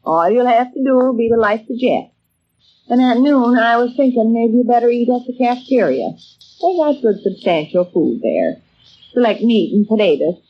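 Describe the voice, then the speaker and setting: A woman's voice: fairly high pitch, animated, normal speed. An American actress playing a bustling, mildly exasperated middle-aged housewife and mother in an old-time radio comedy serial, chatty and folksy. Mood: brisk, instructing. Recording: muffled, noisy old radio recording.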